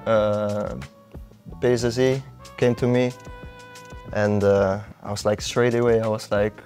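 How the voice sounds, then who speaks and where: A man's voice: fairly low pitch, little pitch movement, unhurried, a little mellow, faint music behind. A young man from the Netherlands with a Dutch accent, a guest in a casual interview, speaking in a laid-back, hesitant way. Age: young adult. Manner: laid-back, hesitant with many ums and uhs. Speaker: guest footballer.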